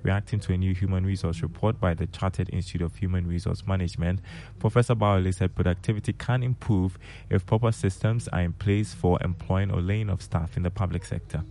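A man's voice: low-pitched, fairly even intonation, fairly quick, creaky, dark tone. A man with a Ghanaian accent presenting a business news bulletin on the radio.

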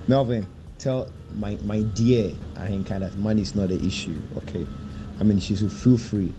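A man's voice: lowish voice, fairly even intonation, normal speed, mellow, faint music behind. A man speaking laid-back and directly to the host in a recorded voice message played on air. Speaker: listener sending a voice note. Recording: dull, lo-fi voice note.

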